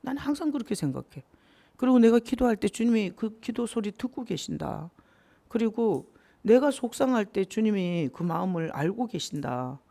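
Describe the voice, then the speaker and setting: High, gravelly-voiced male pastor. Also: sing-song, moderate pace, warm tone. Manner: conversational, with rhetorical questions and asides. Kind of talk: Bible study teaching.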